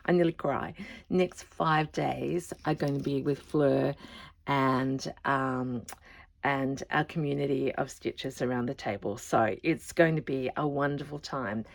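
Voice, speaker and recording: Woman craft vlogger, low gravelly voice, chatty and rambling. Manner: chatty, rambling, often trails off softly. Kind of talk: casual show-and-tell chat.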